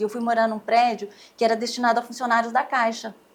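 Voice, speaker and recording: Speaking at a very fast pace, a woman with a fairly high pitch has a strong gaúcho accent. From southern Brazil, Rio Grande do Sul interior. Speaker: judge. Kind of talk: oral history interview.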